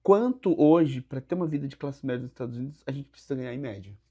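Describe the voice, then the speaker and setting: A man's voice: medium pitch, animated, fast talker, mellow, lo-fi sound. A Brazilian man with a Brazilian Portuguese accent hosting a podcast, reacting with exclamations and asking hypothetical questions. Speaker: podcast host. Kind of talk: casual podcast interview.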